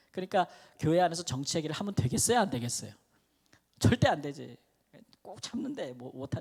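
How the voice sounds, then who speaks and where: A man delivers a midweek Bible lecture as a pastor, talking conversationally with his congregation. His pitch moves around a lot, rising and dipping as he poses questions and answers them himself. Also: darkish tone. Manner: acts out quoted speech with a raised voice.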